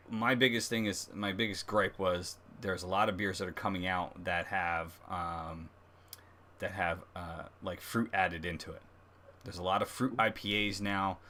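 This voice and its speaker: A man with a fairly low voice hosts a casual live review. He talks in a halting, conversational way, working out his thoughts as he speaks. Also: pushed and bright, a little hiss or hum. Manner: halting, thinking aloud. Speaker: host of a beer review livestream. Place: livestream, speaking beside a laptop.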